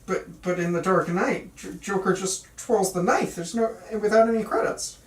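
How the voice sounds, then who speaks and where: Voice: medium pitch, normal speed. A person reading a supporting part at an amateur script table read in a casual, questioning way. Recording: echoey room, distant from mic.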